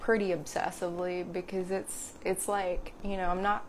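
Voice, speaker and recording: A woman talks with a Southern US accent at a medium pitch. Her pace is moderate. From US South. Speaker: reiki practitioner. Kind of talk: casual livestream talk.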